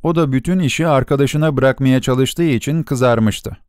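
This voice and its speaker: A man narrating a short story for an audiobook in a measured storytelling delivery. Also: medium pitch, darkish tone, no echo, clean studio sound. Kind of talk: scripted narration.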